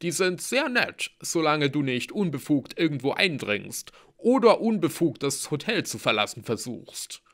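A man reading aloud and voicing a hulking, gruff berserker who talks slowly and bluntly. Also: a little high, big pitch swings, fairly bright tone, pitched above the performer's own voice, full character voice. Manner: slow, blunt.

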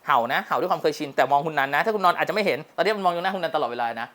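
A man teaching a dog owner at their home, explaining training steps in a quick, coaching way. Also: a little high, bright, forceful tone. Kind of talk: on-site dog training lesson.

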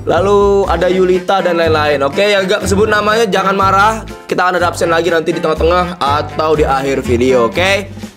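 A young adult man hosting a casual livestream, slangy and excitable, repeating his phrases, with a slightly hoarse voice. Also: high voice, brisk, over music. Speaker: livestream host. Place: indoor streaming desk.

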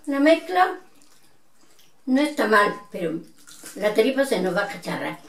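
A woman's voice: a little high, very animated, measured pace, gravelly, distant mic, a little hiss or hum. Older Spanish woman chewing while talking. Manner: plainspoken, homely remarks. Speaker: grandmother in a family food-tasting video. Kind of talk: casual family chat. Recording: echoey room.

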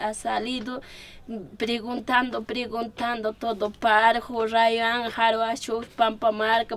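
A middle-aged woman from the Ayacucho region with an Andean Peruvian Spanish accent, giving a halting personal testimony in simple phrasing. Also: a little high, a little hiss or hum. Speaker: relative of a disappeared man, giving testimony.

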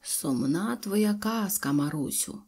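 A woman voicing a sympathetic male Cossack warrior who speaks in a soft, sighing tone. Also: mid-range voice, expressive, slow, breathy edge, full character voice. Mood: sad.

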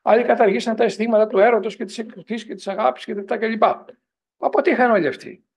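Gravelly, high-pitched man lecturing. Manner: rhetorical, keeps asking the audience to agree; animated, digressive storytelling. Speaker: priest and university professor giving a lecture. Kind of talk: lecture to a parents' group.

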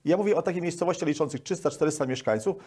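His voice fairly high, darkish in tone, and slightly rough, the Polish official in his sixties fires off his interview answers rapidly. He's a wordy guest who repeats words mid-sentence, captured on a lapel mic.

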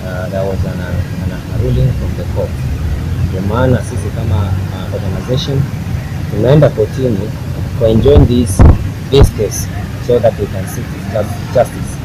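Deep-voiced Kenyan man, loud traffic behind. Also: moderate pace. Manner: mixes Swahili and English, firm advocacy tone. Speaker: programme coordinator of an advocacy group. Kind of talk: street interview statement. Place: outdoors on a city street by trees. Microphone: handheld reporter mic close. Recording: loud outdoor traffic noise. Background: traffic and street ambience.

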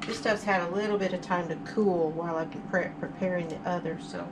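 A woman's voice: lowish voice, fairly even intonation, fairly quick, noisy background. A middle-aged woman hosting her cooking channel, chatting through each step as she cooks in her home kitchen. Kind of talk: casual cook-along narration.

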